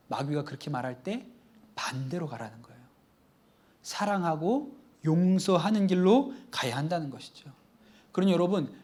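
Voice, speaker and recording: A middle-aged male pastor preaching a Friday evening sermon, telling stories lively and acting out bits of dialogue. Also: fairly high pitch, husky. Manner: lively storytelling, acts out dialogue.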